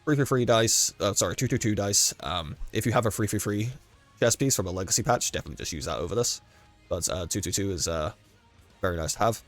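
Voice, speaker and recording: A man with a cold and a congested voice casually talking through a game build and run, rambling with frequent self-corrections. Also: fairly low pitch. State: congested with a cold, losing his voice. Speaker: gaming guide creator. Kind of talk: casual gameplay walkthrough commentary.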